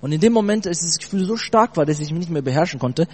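A man in his late twenties from Brazil, telling his personal faith story in a casual, animated way with youth slang. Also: a little high, fast talker, slightly rough. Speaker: church testimony speaker. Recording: long hall reverb with mains hum.

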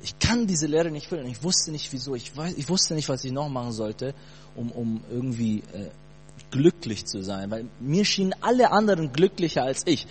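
A man's voice: mid-range voice, normal speed. Man, from Brazil, late 20s, faith testimony, youth slang, humming background. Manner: casual youth slang, animated storytelling. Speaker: church testimony speaker. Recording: long hall reverb with mains hum.

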